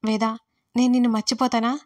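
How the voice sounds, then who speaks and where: Hesitant tearful mother in an audiobook story, read by a woman, apologetic, highish, even pitch. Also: fairly quick, dry recording, far from the mic, natural voice. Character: anxious, tearful middle-aged adoptive mother. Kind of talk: audiobook role reading.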